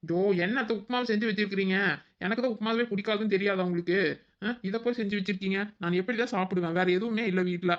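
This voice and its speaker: A cheeky young daughter-in-law in a cartoon, played by a woman, whining and needling in a quick, mid-pitched voice. The sound is a bit dull and lo-fi. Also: lightly acted. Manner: whiny and cheeky. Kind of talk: cartoon voice acting.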